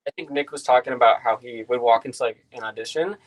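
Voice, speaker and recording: A young man speaks over a video call in a mid-range voice. He asks his questions haltingly and fills the pauses with "um" and "like". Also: mid-range voice, low-quality recording. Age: young adult. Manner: hesitant, many fillers. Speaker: student caller.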